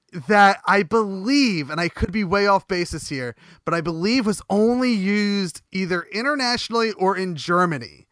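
Over a quiet background, a man with a high pitch speaks with lively intonation and hardly any pauses. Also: moderate pace. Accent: Philadelphia. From Pennsylvania (Philadelphia area). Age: 30s. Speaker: podcast host. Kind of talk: casual chat. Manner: halting.

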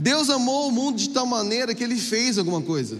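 A man speaks at a fairly quick pace with an extremely high pitch and ordinary pitch variation. Audible room echo and noticeable background noise are present. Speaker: pastor. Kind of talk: sermon.

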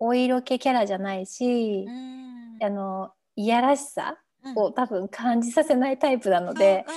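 A woman's dark, mellow voice, fairly high in pitch, with ordinary pitch variation and a fairly slow pace, on a very clean recording with a silent background. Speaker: sex coach. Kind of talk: interview.

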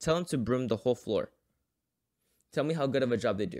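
A man's medium-pitched voice at a fairly quick pace, with lively intonation. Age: 20s. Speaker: podcast host. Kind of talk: solo monologue. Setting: home studio with headphones. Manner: casual, rambling with stumbles.

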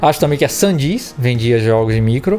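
Lively intonation from a man at a medium pitch and moderate pace, with noticeable background noise behind him. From Brazil. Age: 40s. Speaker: podcast host. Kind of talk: solo casual podcast monologue.

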